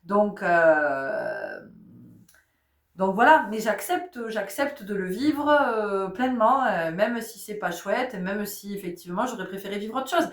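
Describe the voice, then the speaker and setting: Her voice is mid-range and sing-song, never hurried, as this middle-aged spiritual guide talks casually and directly to her audience. A cold has left her nose stuffy, and she keeps bursting into laughter. A far-off mic gives the audio a roomy feel.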